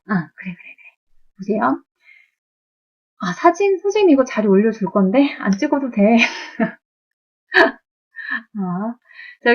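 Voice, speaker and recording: A woman teaching chemistry to a live class, her voice sitting a touch high. She talks in a chatty way and keeps checking in with her students. The recording sounds muffled and lo-fi.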